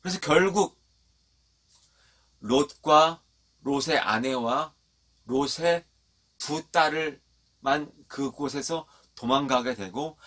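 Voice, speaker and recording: A man with a bright, forceful voice gives a sermon for children. He tells a Bible story with life, keeps stopping to ask the kids questions, and leads them in saying lines back to him. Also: medium pitch. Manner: asks the children questions, has them repeat after him; animated storyteller. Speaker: children's pastor.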